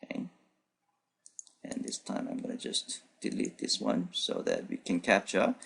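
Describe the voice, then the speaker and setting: A man's voice: low-pitched, little pitch movement, unhurried, creaky, fairly bright tone, husky. A male programming instructor whose first language is Korean, narrating a screen-recorded demo unscripted, thinking aloud with many fillers and restarts. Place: at his computer, voice-over on screen recording.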